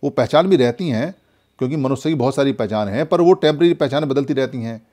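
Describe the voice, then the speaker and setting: A man's voice: medium pitch, quick pace, warm tone. A man from India giving a spoken Buddhist lesson, preaching with many repeated rhetorical questions. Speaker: Buddhist teacher.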